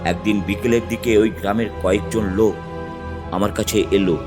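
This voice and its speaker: A man's voice: lowish voice, steady tone, normal speed, music in the background. A man telling a village ghost story in the first person as a tantric guru, in a dramatic storytelling manner. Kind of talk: scripted horror narration.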